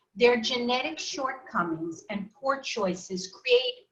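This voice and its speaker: With a New York accent, this voice moves at a fairly slow pace with ordinary pitch variation. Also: woman. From New York, Long Island. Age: 60s. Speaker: author. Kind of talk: reading aloud.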